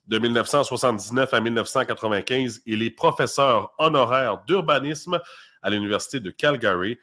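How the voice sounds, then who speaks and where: A man speaks at an ordinary middle pitch. He reads a prepared introduction in a measured way, then questions his guest in a relaxed, conversational manner. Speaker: co-host. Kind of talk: read biographical intro, then interview questions.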